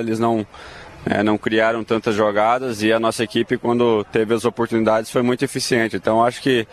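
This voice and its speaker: A Brazilian man, a footballer, giving a casual, measured interview answer about a match. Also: lowish voice. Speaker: professional footballer.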